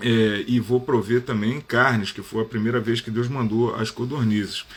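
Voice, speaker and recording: At a moderate pace, a man talks with a Rio de Janeiro accent, his medium pitch held in a monotone, flat intonation. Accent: carioca. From Rio de Janeiro state, Brazil (Niterói). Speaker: preacher. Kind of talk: sermon.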